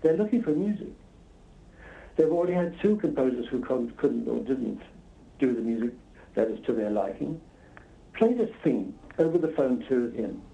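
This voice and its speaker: Mellow male guest, slightly muffled recording. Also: medium pitch, animated, moderate pace, creaky, long pauses. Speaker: interview guest, composer. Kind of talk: conversational anecdote telling. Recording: slightly dull, lo-fi sound.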